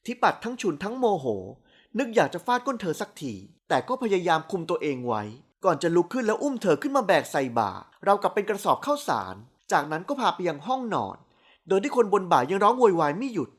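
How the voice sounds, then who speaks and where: A woman narrating a romance audiobook with expressive storytelling. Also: medium pitch, fast.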